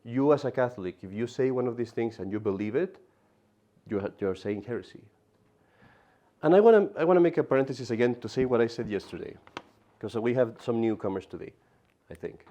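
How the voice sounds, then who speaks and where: A man teaching an adult catechism class in an animated way, often repeating himself and turning aside to talk to the class. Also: medium pitch, fairly quick.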